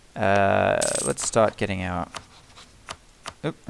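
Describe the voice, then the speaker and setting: Noticeable background noise sits under a man's fairly low voice in an Australian accent. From Australia, Melbourne. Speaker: video game let's play host. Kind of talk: gameplay commentary. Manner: casual, thinking aloud.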